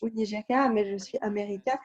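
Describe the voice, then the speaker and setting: A woman's voice: medium pitch, steady tone, brisk, a little mellow. A woman interpreting a video conference live into French, with some hesitations and restarts. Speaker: simultaneous interpreter. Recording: dull lo-fi online audio.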